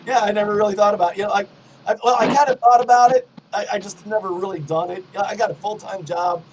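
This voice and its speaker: A man's voice: high voice, steady tone, quick pace, noisy background. A middle-aged man hosting a podcast, chatting easily and laughing often. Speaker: podcast host. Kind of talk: casual conversation.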